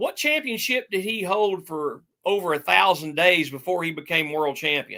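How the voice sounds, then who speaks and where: Speaking with a Southern US accent, a man with a high pitch and a bright, sharp tone talks at a moderate pace with lively intonation and hardly any pauses. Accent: Southern American. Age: 60s. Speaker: wrestling promoter. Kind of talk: interview.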